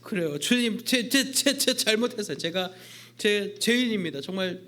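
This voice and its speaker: A man's voice: animated, moderate pace, pushed and bright. A man doing a pleading, remorseful disciple. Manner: high, earnest, pleading. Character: pleading remorseful male disciple, middle-aged.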